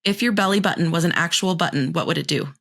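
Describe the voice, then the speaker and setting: A woman's voice: on the low side, quick pace, gravelly, fairly bright tone. A woman hosting a podcast in casual chat, frank and playful and swearing freely. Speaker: podcast host.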